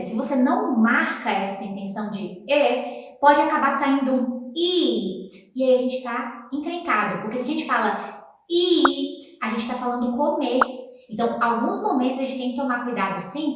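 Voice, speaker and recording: A woman teaching English pronunciation, explaining and then slowly repeating words for the viewer to copy. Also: high voice. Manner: encouraging, talks straight to the viewer. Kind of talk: pronunciation lesson with drills. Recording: echoey room, voice from a distance.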